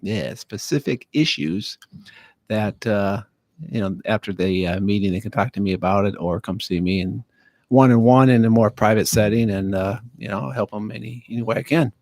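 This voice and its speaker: A man with a fairly low voice speaks as a guest in a radio studio, searching for words with frequent "uh"s and restarts. The sound is dry and close on a studio microphone. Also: a little mellow, dry recording. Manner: halting, many fillers and restarts. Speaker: county veterans affairs officer, studio guest. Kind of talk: casual radio interview.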